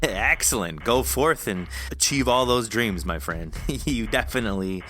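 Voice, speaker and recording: Bright, low-voiced man hosting a chat. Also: expressive, unhurried, a little hiss or hum. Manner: enthusiastic, encouraging, informal. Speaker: podcast host interviewing an author. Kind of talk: casual interview chat.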